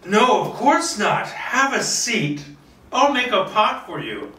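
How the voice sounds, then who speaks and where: A man acts out a frail, fussy old woman at a screenplay table read. The voice is lifted and bright, with a falsely cheerful, reassuring manner. It sounds a little away from the mic. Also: high-pitched, very animated, takes it slowly, voice pushed up, exaggerated voice. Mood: strained politeness. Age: older. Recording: roomy echo, distant mic.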